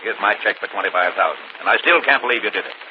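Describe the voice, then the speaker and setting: A man's voice: fairly low pitch, rapid-fire, natural voice. An actor playing a wealthy, skeptical man in a 1940s radio mystery, blustering and exasperated. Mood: blustery. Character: wealthy skeptical man who bet and lost. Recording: hissy muffled old radio broadcast.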